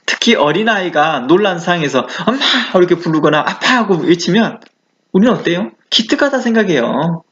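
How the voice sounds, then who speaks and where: Male pastor, conversational sermon, rhetorical questions, fairly high voice, muffled lo-fi audio. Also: animated, a little fast, fairly bright tone. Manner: acts out quoted exclamations.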